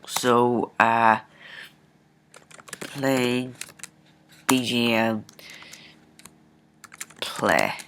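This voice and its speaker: A man hosting a casual coding screencast, thinking aloud informally and haltingly as he works at his computer. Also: medium pitch, steady tone, a bit bright, smooth. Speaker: programming tutorial host. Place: indoors at a computer, screen recording.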